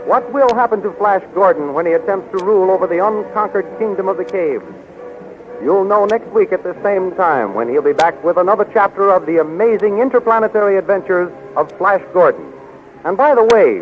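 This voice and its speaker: A man's voice: high-pitched, expressive, a little fast, soft background music. A man narrating and announcing a radio serial in a dramatic, declamatory 1930s style. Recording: tinny, noisy 1930s radio recording.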